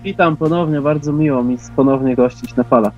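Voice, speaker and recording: A man speaking as a radio guest, explaining things informally in a measured, hesitant way with many pauses. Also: medium pitch, soft background music. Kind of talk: informal explanatory interview talk. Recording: dull, dry call audio.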